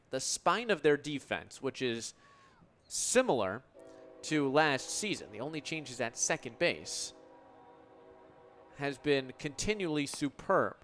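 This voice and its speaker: A man's voice: a little high, a bit bright. A young American man in his twenties calling sports play-by-play for radio in articulate, flowing descriptive calls. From United States. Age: 20s.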